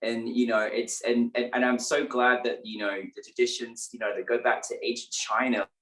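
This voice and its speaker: A man's voice: mid-range voice, flat delivery, normal speed, a bit bright. A man hosts the interview, effusive and gushing, his sentences tumbling through restarts and fillers. He sits back from the mic in an echoey room, and his voice carries a roomy ring. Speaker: interview host. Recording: roomy echo, distant from the mic.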